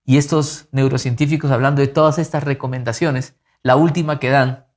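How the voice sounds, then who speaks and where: A man preaching a sermon as pastor, earnest and emphatic, swinging from lively rises to soft, quiet drops. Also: medium pitch, brisk.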